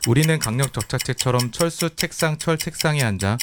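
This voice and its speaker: A man, an announcer candidate, reading a tongue twister with careful crisp enunciation. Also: medium pitch, fairly quick, music in the background.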